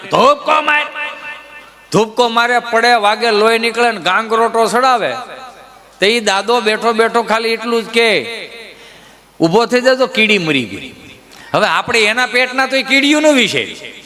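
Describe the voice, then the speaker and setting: A high-pitched man with a bright, forceful voice. He tells folk comedy stories on stage and slips into the voices of the villagers in his jokes. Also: lively intonation, normal speed. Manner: acts out villagers in shifting voices, with laughs. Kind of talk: stand-up folk comedy storytelling.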